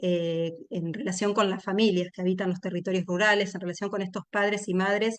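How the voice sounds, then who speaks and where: At a fairly quick pace, a woman talks in a flat monotone at medium pitch. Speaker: education researcher. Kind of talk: academic presentation. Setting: video call. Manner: hesitant, many fillers.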